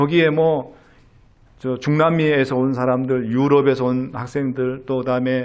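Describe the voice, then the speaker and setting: A man at a medium pitch speaks with a plain, everyday voice and ordinary pitch variation. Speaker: pastor. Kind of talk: sermon.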